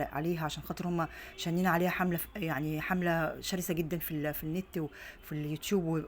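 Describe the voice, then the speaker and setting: A middle-aged mother and vlogger from Egypt rambles casually at home, restarting frequently, in a lowish voice with a darkish tone. She speaks with an Egyptian Arabic accent, recorded indoors on a phone on a stand, with a little hiss or hum.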